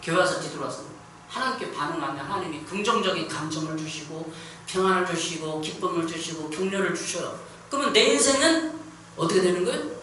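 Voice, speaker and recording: High, bright-voiced preaching man. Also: far from the mic. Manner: emphatic, rhetorical questions to the congregation. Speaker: pastor. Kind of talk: sermon. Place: church sanctuary. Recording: echoey hall, voice from off the mic, faint noise.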